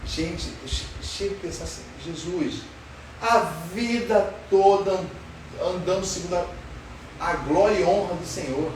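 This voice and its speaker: A man's voice: high-pitched, unhurried, darkish tone. A man teaches a Sunday school Bible lesson, questioning his class in an emphatic way. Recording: roomy far-off sound with faint noise.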